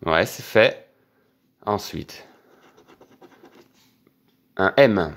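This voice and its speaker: A man, quietly commenting as he scratches lottery tickets for his channel. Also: low voice, extremely slow. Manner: quiet running commentary, excited when winning. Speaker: scratch-card vlogger.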